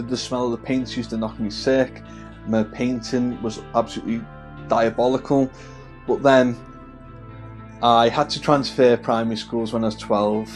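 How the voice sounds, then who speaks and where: A man's voice: medium pitch, darkish tone. A man in his thirties from the Wirral, with a Scouse-tinged accent, chatting casually to camera as the host of a hobby channel, friendly, with many fillers and restarts. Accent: Wirral, with a Scouse twang. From the Wirral, England. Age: 30s.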